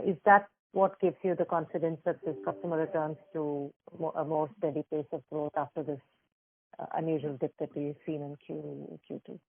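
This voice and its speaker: A woman's voice: low-pitched, no echo. A woman asking a question as an analyst on an earnings conference call. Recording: dry, tinny phone line.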